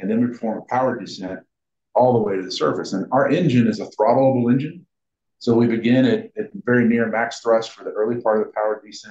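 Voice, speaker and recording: A man talks at a very fast pace. His intonation stays fairly even, with audible room echo. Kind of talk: interview answer. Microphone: video call.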